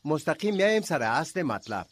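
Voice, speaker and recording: A man's voice: fairly high pitch, big pitch swings, slightly rough. A male actor playing a genial, persuasive village cleric who speaks formally and piously in a radio drama. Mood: earnest. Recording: faint background noise.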